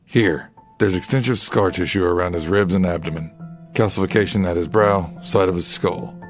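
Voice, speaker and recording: A low-pitched, brooding male vigilante acted by a man speaks with grave control over a music bed. His delivery is terse and serious, in the style of a comic-book radio drama. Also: moderate pace, lightly acted. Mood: terse, clinical. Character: grim, brooding masked male vigilante detective in his prime. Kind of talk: dramatic narration and dialogue in a comic audio drama. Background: background music.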